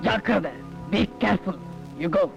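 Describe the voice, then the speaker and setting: A man's voice: high-pitched, extremely slow, gravelly, faint music behind, heavily acted. An actor playing an arrogant young male student who coldly threatens his professor. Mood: menacing. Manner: cold and menacing. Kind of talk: 1980s Tamil film dialogue. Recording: dull film soundtrack.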